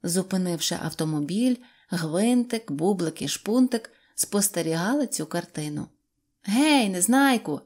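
A woman narrates a children's audiobook in an expressive storytelling manner. Her voice is on the low side, at normal speed, with few pauses.

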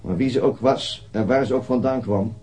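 An actor playing a brooding, dogged police detective in a radio drama, weary and musing in a halting, husky voice. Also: male voice, mid-range voice, dark tone, close to an everyday voice. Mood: weary, determined. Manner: halting, musing, muttering to himself. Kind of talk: radio drama acting with introspective monologue.

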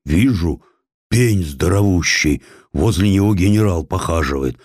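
Man playing a folksy old coachman, deep and animated. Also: unhurried, no room sound, studio quality. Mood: folksy wonder. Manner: colloquial rustic storytelling in short homely phrases. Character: old village coachman, folksy, wondering, plain-spoken male storyteller.

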